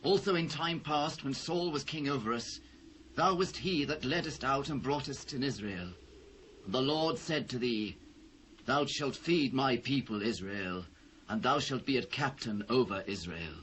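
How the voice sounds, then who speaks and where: A man's voice: mid-range voice, lively intonation, measured pace, a bit bright. A British man playing an earnest tribal elder in a dramatised Bible reading, formal and solemn. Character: earnest male tribal elder of Israel addressing king. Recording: faintly noisy old cassette.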